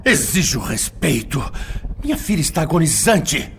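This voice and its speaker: Protective spirit father: pleading, creaky, highly animated radio-drama delivery, faint noise behind. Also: moderate pace, exaggerated voice. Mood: indignant. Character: indignant protective father, a benevolent male spirit.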